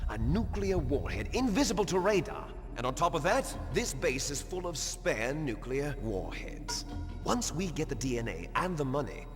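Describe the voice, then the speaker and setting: A ruthless terrorist commander in a video game cutscene, grandiose and menacing. His delivery swings widely in pitch as he gives orders. Long reverb and clear background music surround him. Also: sing-song, normal speed. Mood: defiant, grandiose. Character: ruthless male military commander of a terrorist unit, megalomaniac. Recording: long hall reverb under loud music.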